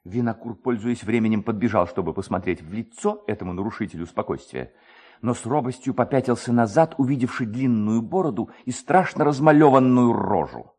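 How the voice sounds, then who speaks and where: A man reads literary fiction as a dramatic storyteller. His medium-pitched voice moves widely and expressively, shaping each phrase with theatrical care. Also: animated, a little fast, a little mellow, breathy edge. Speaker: narrator, reader.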